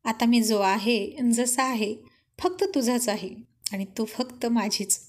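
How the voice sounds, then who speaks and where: A woman voicing a playful, tough young husband who teases his wife lovingly, drawling some lines slowly. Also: on the high side, steady tone, close to an everyday voice. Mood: teasing. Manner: teasing, boastful, slow drawn-out lines.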